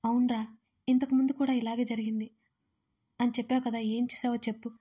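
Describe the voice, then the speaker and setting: A woman voicing a frantic young man who pleads in a rushed, panicked way for help with his sister. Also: fairly high pitch, little pitch movement, dark tone, slightly rough.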